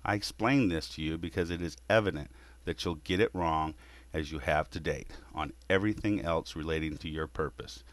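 A man voicing a weary creator god in a scripted monologue, lecturing humanity in a scornful, measured way. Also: extremely low pitch, no room sound.

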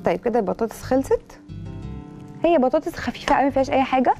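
An Egyptian woman food blogger talks at a breakneck clip while she cooks, her voice a touch higher than most and mellow rather than bright. She piles on emphatic intensifiers in her friendly, chatty advice. Food sizzles in a pan and faint music plays behind her. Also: animated, very fast, vocal fry. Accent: Egyptian Arabic.

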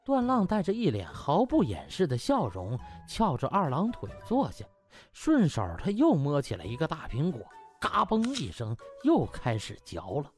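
A man's voice: a little high, huge pitch swings, normal speed, soft background music. A man narrating a comic novel in a theatrical, colloquial storytelling manner. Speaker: audiobook narrator.

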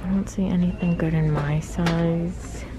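A woman with a low, even voice walks through a big store narrating what she finds. Her tone stays flat and steady as she reels off prices. Background store noise comes through the phone mic. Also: a little slow. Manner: low-key, steady price-listing commentary. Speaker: shopping vlogger. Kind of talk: casual shop-with-me narration. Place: large retail store, indoors. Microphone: handheld phone camera. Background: store ambience noise.

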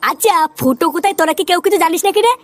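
A man's voice: extremely high pitch, racing, no echo. A man voicing a blunt, coarse, bossy neighbourhood club leader in a comedy cartoon. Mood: exasperated.

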